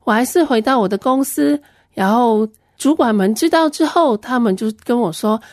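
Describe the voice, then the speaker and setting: Woman, high-pitched, dry recording, earnest personal testimony. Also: normal speed, a little mellow, no echo. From Hong Kong. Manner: earnest, plain storytelling. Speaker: Christian ministry worker giving a testimony.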